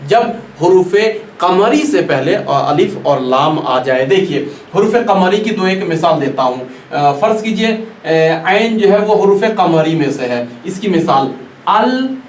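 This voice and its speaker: A man's voice: sits high, lively intonation, a little slow. A man teaching a Quran recitation class, patiently repeating and stretching out each example word. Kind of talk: classroom lesson. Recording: echoey room, distant mic, faint noise.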